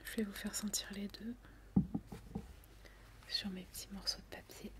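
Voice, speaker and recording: A woman whispering softly as a perfume saleswoman in an ASMR roleplay, hesitating with many fillers. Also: medium pitch, level tone, measured pace. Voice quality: soft whisper.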